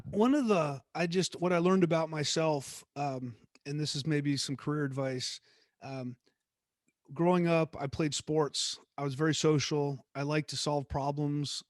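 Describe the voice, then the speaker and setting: A man's voice: a little high, dry recording. Middle-aged man telling stories, dry sound. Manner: relaxed, reflective storytelling with frequent restarts. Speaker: guest speaker, former theme park executive. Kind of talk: conversational class talk.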